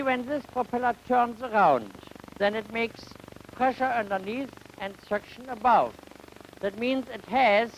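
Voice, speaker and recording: Guy doing a science demo, real slow and halting, old 1950s film sound with some noise. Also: extremely high pitch. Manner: halting, deliberate phrasing with rhetorical questions. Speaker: science lecturer and demonstrator. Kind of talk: educational film demonstration. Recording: noisy 1950 educational film soundtrack.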